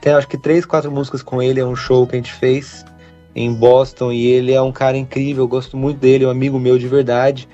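A young man, a guitarist talking in a relaxed, rambling way as an interview guest. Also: mid-range voice, brisk, muffled recording, soft background music. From Brazil. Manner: relaxed, rambling, many fillers like "né". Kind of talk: casual interview chat.

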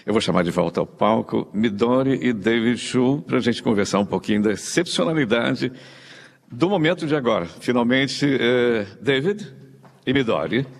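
A man's voice: medium pitch, lively intonation, moderate pace. A man hosting a radio concert program, interviewing performers on stage in a formal, effusive announcer manner. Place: theater stage. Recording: reverberant concert hall with audience noise.

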